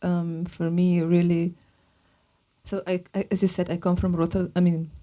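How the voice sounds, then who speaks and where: A woman speaks as a filmmaker on a live panel. Her voice sits low and sounds deeply mellow and dark. She talks thoughtfully and pauses to search for the right words. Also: level tone. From Slovenia. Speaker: filmmaker and artist guest.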